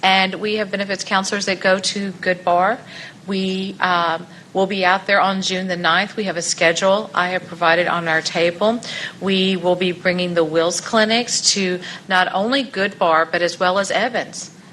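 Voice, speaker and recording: There is noticeable background noise as a woman speaks at a moderate pace and medium pitch, with monotone, flat intonation. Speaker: social services agency staffer. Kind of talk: public presentation. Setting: town hall meeting with audience. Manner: loud, projecting.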